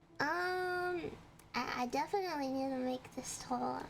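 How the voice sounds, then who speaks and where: Over noticeable background noise, a woman talks very slowly in a high pitch with ordinary pitch variation. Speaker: vtuber streamer. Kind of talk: casual livestream chat.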